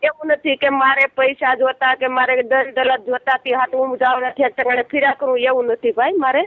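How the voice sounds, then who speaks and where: A woman's voice: high-pitched, level tone, brisk, dry recording. A woman with a Kathiawadi Gujarati accent speaking informally as a caller, plaintive and defending herself. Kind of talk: informal phone conversation. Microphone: phone line. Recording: lo-fi narrow phone call.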